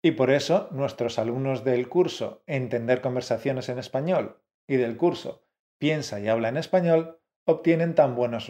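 A man's voice: mid-range voice, mellow. A man co-hosting a language-learning podcast, explaining in a friendly, encouraging way. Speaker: co-host of a Spanish-learning podcast. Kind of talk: scripted podcast teaching.

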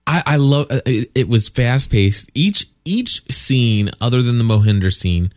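A man co-hosting a fan podcast in casual chat, animated and joking, often repeating words and mimicking characters in a sing-song voice. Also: medium pitch, measured pace, no room sound, studio quality. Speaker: podcast co-host.

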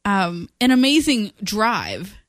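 A woman's voice: mid-range voice, wildly swooping pitch, slow pace, fairly bright tone, dry recording. A woman in her thirties co-hosting a casual family podcast in a studio, teasing and laughing often. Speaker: podcast co-host. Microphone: studio microphone.

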